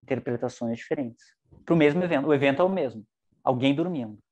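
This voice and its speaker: A man giving an online psychology lecture, lively and joking, with shifting intonation. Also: mid-range voice, fast talker.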